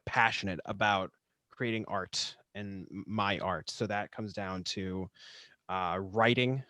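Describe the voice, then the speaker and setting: A man talking casually as an interview guest, halting and often repeating his words as he searches for phrasing. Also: on the low side, pushed and bright, no echo. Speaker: podcast guest, writer and actor.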